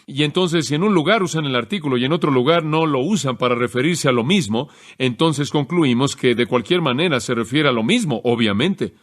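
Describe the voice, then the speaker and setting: With a mid-range, animated voice, this man preaches an expository sermon. He explains the text in a measured teaching manner, easing his pace to emphasize key phrases.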